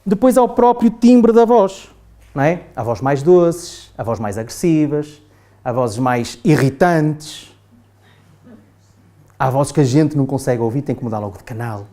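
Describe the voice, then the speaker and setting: A trainer lectures a class of adults in a chatty style, his European Portuguese accent coming through and "não é?" often directed at the group. His voice is slightly high and dark, with lively intonation at a measured pace.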